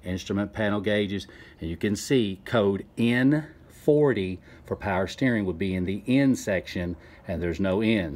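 A man, the channel's host, walks around a car in an old barn, explaining its details plainly and methodically while filming on a phone. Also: low-pitched. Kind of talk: walkaround narration while filming. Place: old open barn, indoors and out. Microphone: handheld phone camera.

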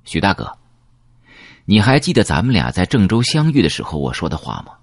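A man's voice: low voice, huge pitch swings, brisk, breathy edge, heavily acted. A man reading an audiobook, voicing a bitter young male villain who mocks and then rages. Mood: earnest. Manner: mocking, then shouting in fury.

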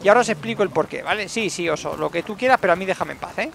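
A man commentating his survival game playthrough, excitable, shouting when fights turn chaotic. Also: high-pitched, very fast, gravelly, a little hiss or hum. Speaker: gaming YouTuber. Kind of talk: let's play commentary.

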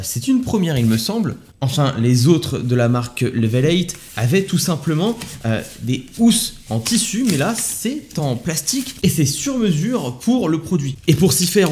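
A man's voice: a little high, darkish tone, a little hiss or hum. Upbeat man doing a product unboxing. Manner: enthusiastic, upbeat salesy delivery. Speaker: YouTube tech reviewer.

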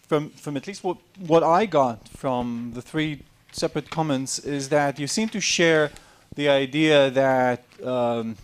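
Male conference moderator, fairly high register, very measured pace, academic setting. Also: clean tone. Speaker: panel moderator. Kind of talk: panel moderation, posing a challenge question. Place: classroom-sized indoor conference room with audience.

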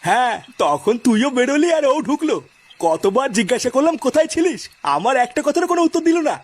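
A man's voice: very high-pitched, big pitch swings, quick pace, slight background noise. A man voicing a grumbling, scolding old village grandfather in an amateur comedy cartoon. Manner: scolding, exasperated.

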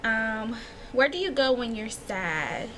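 A woman's voice: fairly high pitch, animated, takes it slowly, a bit bright, a little hiss or hum. A woman in her thirties chatting casually to camera at home, giggling and rambling through a list of personal questions. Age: 30s. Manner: chatty, giggly, lots of fillers. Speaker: vlogger. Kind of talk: casual chat answering tag questions. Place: small home room with shelves.

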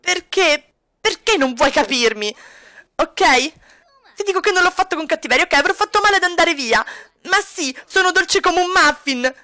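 A woman's voice: very high voice, expressive, moderate pace, pushed and bright, voice pushed up, full character voice. A woman voicing a sweet-acting young woman who is defensive and stubborn, pleading and insisting in acted dialogue for a life-sim game.

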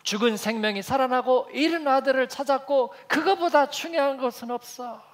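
A man's voice: very high-pitched, moderate pace. A male pastor preaching a sermon, telling a parable and acting out its characters. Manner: storytelling, acting out the figures of the parable. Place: church.

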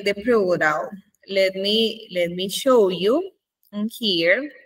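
A woman's voice: medium pitch, bright, forceful tone, recorded from a distance, rough recording. A woman with a Colombian Spanish accent, teaching an English grammar lesson to a class and checking in with the students often. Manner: slow, drawn-out model sentences, frequent "¿Listo?" checks.

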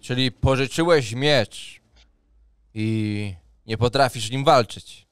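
A man narrating a tabletop roleplaying game as game master in a measured, deliberate way. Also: medium pitch, smooth, dry recording, clean studio sound. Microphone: close studio microphone on arm.

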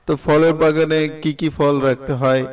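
A man's voice: fairly high pitch, flat delivery, normal speed, clear, resonant tone, distant mic. A young man from Bangladesh with a Bangladeshi accent, hosting an explainer video and addressing the viewer directly. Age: young adult. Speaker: video host. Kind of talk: explainer narration of business ideas.

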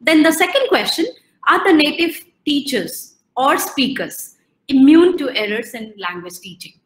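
A woman's voice: sits high, very animated, a little slow, fairly bright tone, reverberant. A middle-aged woman from Odisha with an Indian English accent, giving an online lecture with many fillers and restarts as she poses questions to the class. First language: Odia. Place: indoor room. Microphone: video call.

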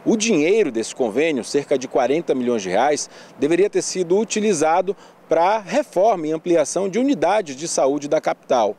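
A male reporter in his forties with a northern Brazilian accent, reading a news report in a steady, explanatory way. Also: fairly high pitch, moderate pace. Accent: Brazilian Portuguese, northern.

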